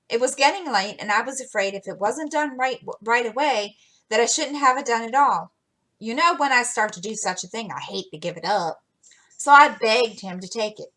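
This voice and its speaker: A woman's voice: fairly high pitch, fairly bright tone, rough recording. A woman reading aloud as an impulsive, spirited teenage girl telling her own tale.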